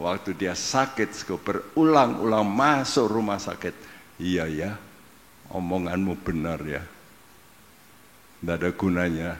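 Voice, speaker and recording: With a very deep, low pitch, a man speaks at a fairly slow pace, using lively intonation and long, frequent pauses. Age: 80s+. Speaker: pastor. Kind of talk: sermon. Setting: church.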